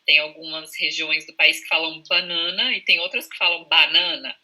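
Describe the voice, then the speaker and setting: Woman, Brazilian accent, speech therapist, very bright tense voice, patient explaining, demonstrates sounds, video call. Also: low-pitched, normal speed, poor audio. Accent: Brazilian Portuguese. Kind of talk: explanatory interview answers.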